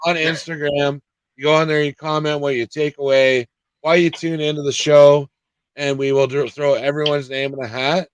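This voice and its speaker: A man's voice: on the high side, flat delivery, normal speed, clear, resonant tone, no room sound. A man co-hosting a casual chat show, joking and laughing often. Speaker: podcast co-host.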